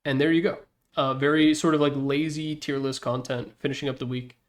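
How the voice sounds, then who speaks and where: A man's voice: mid-range voice, little pitch movement, fairly quick. A man hosting a gaming video with casual, unscripted tier-list commentary, rambling along in a jokey, self-deprecating way.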